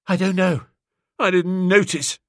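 A man voicing an agitated young man who rushes out indignant complaints. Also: high-pitched, fairly even intonation, dry recording, studio quality, pitched above the performer's own voice. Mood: bitter.

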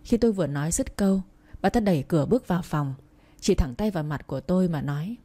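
A woman narrating a first-person family drama in a measured, emotive way. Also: on the low side, animated, dark tone. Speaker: storyteller.

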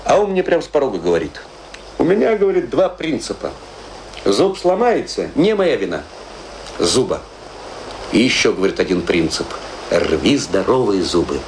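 Low, swooping, morbidly wry storyteller. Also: male voice, very animated, moderate pace, long pauses, slight background noise, poor audio. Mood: mocking, gossipy. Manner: theatrical, ironic, rhetorical questions, dramatic swings. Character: chatty, morbidly wry man musing over death and graves. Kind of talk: theatrical radio play monologue, conversational Russian storytelling.

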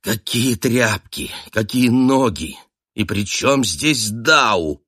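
A man's voice: medium pitch, animated, takes it slowly, fairly bright tone, breathy edge, no room sound, clean studio sound, voice pushed up, exaggerated voice. A man voicing a tired, sarcastic husband who answers his wife coldly and mockingly in an audiobook. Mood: sardonic, weary. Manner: sardonic, clipped, through gritted teeth. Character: weary, sarcastic adult husband, cutting and cold.

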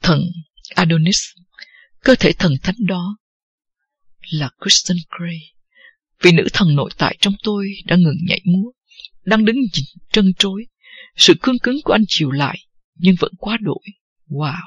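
An audiobook narrator reading a first-person novel at a steady, unhurried pace. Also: mid-range voice, slightly rough, dry recording, highs cut off.

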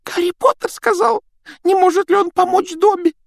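A man voicing a tearful, groveling male house-elf with a shrill, squealing, wailing voice in an audiobook reading. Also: fairly even intonation, normal speed, vocal fry, no room sound, clean studio sound. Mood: pleading, fervent. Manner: squealing, wailing, self-pitying. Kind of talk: audiobook character voice.

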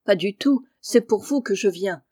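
A woman voicing a kindly, blunt middle-aged male farmer in an audiobook, speaking low and hushed. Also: expressive, normal speed, dry recording, clean studio sound, lightly acted. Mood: gruff. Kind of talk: audiobook character reading.

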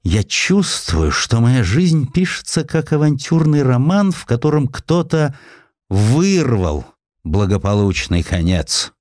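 A man's voice: medium pitch, big pitch swings, takes it slowly, a little mellow, dry recording, studio quality, pitched above the performer's own voice. A man voicing a proud, embittered, cynical ageing industrialist in a declamatory, emphatic way for an audiobook. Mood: wounded, bewildered. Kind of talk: acted quotes in an audiobook.

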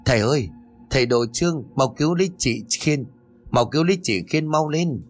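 A man's voice: medium pitch, expressive, a little slow, a bit bright, soft background music. A man voicing a frightened, childlike, deranged old village woman who pleads, whimpers and repeats herself. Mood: terrified.

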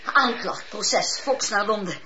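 A fierce, scornful wife. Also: female voice, mid-range voice, takes it slowly. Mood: stern. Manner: sharp, scornful, lively. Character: fierce, principled wife of a judge. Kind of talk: radio play acting. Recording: dull lo-fi radio recording with hiss.

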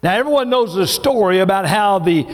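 A man's voice: high voice, lively intonation, brisk. A man preaching a sermon as pastor, folksy and joking, drawing out the scripture.

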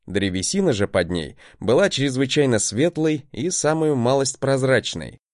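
Wry man narrating, lively intonation. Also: mid-range voice, normal speed, no room sound, clean studio sound. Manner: wry, conversational. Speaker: audiobook narrator. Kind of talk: first-person scripted narration.

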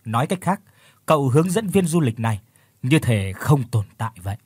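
A man narrating a horror story as a scripted audiobook, in an expressive storytelling manner. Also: mid-range voice, brisk, husky, no room sound.

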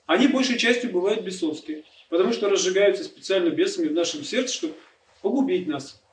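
High-voiced preaching man, echoey room. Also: expressive, fast. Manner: earnest, explanatory preaching with rhetorical questions. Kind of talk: sermon. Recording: echoey room, distant mic, faint noise.

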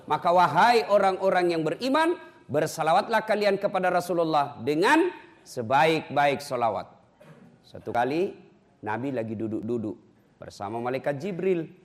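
A man's voice: fairly high pitch, normal speed. A middle-aged man, preaching a humorous sermon to a mosque gathering and teasing his listeners. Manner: joking, lively, teasing the audience.

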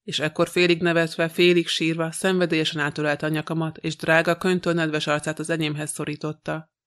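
A man reading a novel aloud in the first person, in an even, measured way. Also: a little high, clear, resonant tone. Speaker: audiobook reader.

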